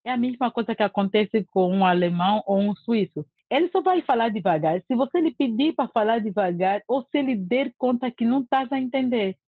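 A woman's voice: on the high side, lively intonation, brisk, vocal fry, hardly any pauses, no echo. Angolan woman on a tinny line. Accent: Angolan Portuguese. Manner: earnest and emphatic, with frequent restarts. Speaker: language course student giving a testimonial. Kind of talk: casual spoken testimonial. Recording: tinny, dry phone-like audio.

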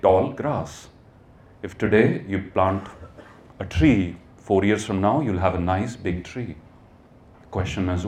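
With a low, slightly mellow voice and a North Indian accent, a motivational speaker delivers an emphatic talk to a live audience. He keeps prompting listeners with questions and repetition.

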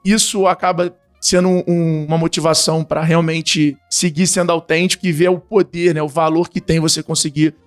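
Guest: young Carioca man, high-pitched, rapid, slangy storyteller, faint music under. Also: little pitch movement. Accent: Carioca Portuguese. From Rio de Janeiro, Brazil. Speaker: guest, entrepreneur. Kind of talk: casual interview chat.

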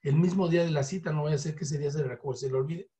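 A Mexican-accented man with a high-pitched voice runs a motivational sales training session. His coaching manner keeps breaking into quick acted-out sample calls to show how a conversation should go. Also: mellow.

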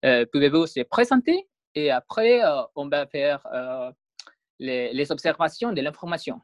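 A man hosting a podcast, speaking haltingly with many restarts in learner's French. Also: a little high, animated, no echo, clean studio sound. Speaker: podcast host. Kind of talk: hesitant scripted podcast intro.

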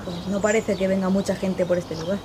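A woman's voice: medium pitch, flat delivery, a little fast, noisy background, natural voice. A woman playing a curious, persistent young journalist who asks polite questions. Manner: inquisitive, polite. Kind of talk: radio drama acting.

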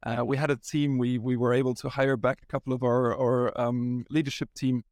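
A German-born founder talks through his story in a relaxed interview, circling back and restarting phrases with plenty of ums. His voice sits at an ordinary middle pitch. The recording is close and dry, with no room sound. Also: brisk, no echo. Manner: rambling, frequent restarts and ums. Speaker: startup founder guest. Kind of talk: casual business interview.

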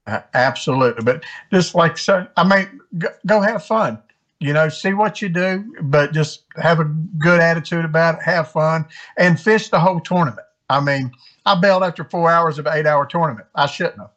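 A man's voice: a little high, moderate pace, a bit bright. A man from North Carolina, a guest angler giving earnest, encouraging advice in a casual interview. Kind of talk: casual interview over a call.

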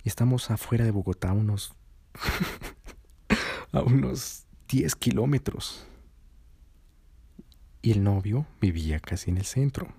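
A man spins a casual story and swears as he goes. His voice is low and very husky, and he takes his time. The sound is dry and close, with no room around it. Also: takes it slowly, long pauses, dry recording. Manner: profane, animated retelling.

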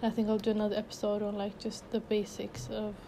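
A young woman from Sweden chats through her own unedited podcast as a life coach, upbeat and loose, full of fillers and restarts. Her voice stays mellow and fairly level in pitch, and she sounds a little out of breath. Faint noise hums behind her. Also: completely flat delivery, quick pace. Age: 20s. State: a bit out of breath. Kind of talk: casual unedited solo podcast.

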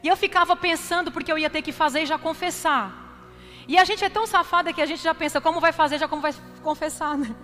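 A high-pitched woman pastor preaching in a church hall, her voice ringing with a long reverb while faint music plays underneath. She tells her story in an animated, confessional way, teasing herself and turning to the congregation again and again. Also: fast talker. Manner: animated, confessional and self-mocking, talks directly to the congregation. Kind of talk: sermon with personal storytelling.

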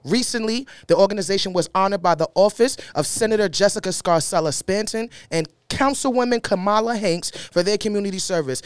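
Brooklyn man hosting a chat show, high-pitched and animated, dry close sound. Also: smooth, no room sound. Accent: Brooklyn New York. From Brooklyn, New York. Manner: animated, playful, jokes at his own stumbles. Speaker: host. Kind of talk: casual show chat, reading guest bios.

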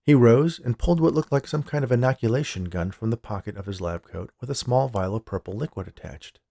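A man's voice: medium pitch, animated, brisk, vocal fry, dark tone, dry recording. A man reading scripted first-person fiction as a podcast narrator, close to the microphone. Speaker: writer, narrator and podcast host.

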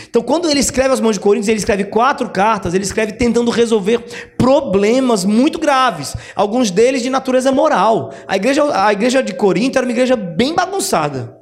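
High-voiced teacher, chatty. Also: male voice. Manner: chatty, with frequent "né?" asides and restarts. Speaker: Bible teacher. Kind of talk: conversational Bible teaching.

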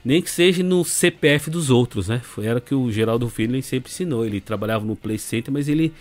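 Speaking with a Brazilian Portuguese accent, a middle-aged man from Brazil recounts his story on a podcast in an easygoing, meandering way, sprinkling in fillers and tag questions. His pitch is medium and his pace slightly quick.

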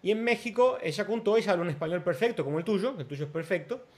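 A man with a notably high speaking voice hosts the interview. He breaks in to explain things to his listeners in a firm, emphatic way. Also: animated, quick pace. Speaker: interviewer host. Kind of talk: casual interview talk.

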